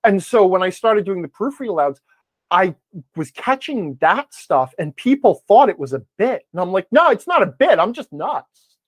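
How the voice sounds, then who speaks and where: Higher-voiced man chatting, close dry sound. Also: normal speed, dry recording. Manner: rambling, animated self-quoting, self-deprecating joking. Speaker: podcast guest, game advice blogger. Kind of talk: casual conversational interview talk.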